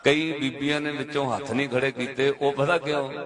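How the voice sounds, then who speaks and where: A man's voice: mid-range voice, flat delivery, brisk, a bit bright. A man preaching to a live congregation in a Punjabi accent, exhorting his listeners with direct questions and playful asides. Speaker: Sikh preacher. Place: gathering with a crowd. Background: crowd responding.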